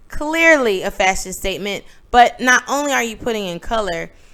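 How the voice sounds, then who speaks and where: A woman's fairly high voice, animated in tone, with very wide pitch swings and a moderate pace. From US. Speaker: podcast co-host. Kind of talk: casual chat.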